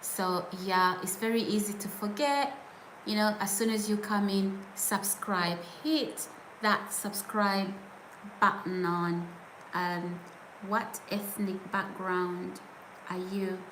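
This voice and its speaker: A medium-pitched woman at a very slow pace with long, frequent pauses and fairly even intonation, amid audible room echo and noticeable background noise. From England. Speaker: live streamer. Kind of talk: live stream chat.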